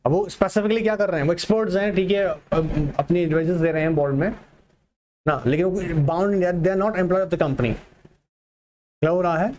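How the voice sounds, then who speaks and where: A male tutor with a high, light voice gives an exam-prep lecture, switching between Hindi and English terms. He poses questions and answers them himself, and a faint hiss sits under the recording. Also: darkish tone. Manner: asks and answers his own questions, slows to read English text aloud. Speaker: online tutor.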